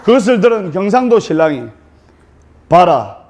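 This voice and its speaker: A male Buddhist monk from Gyeongsang giving a humorous dharma talk to an audience, with lively, drawn-out phrasing. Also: sits high, some chatter behind. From Gyeongsang province. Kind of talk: humorous sermon storytelling. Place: lecture hall with audience.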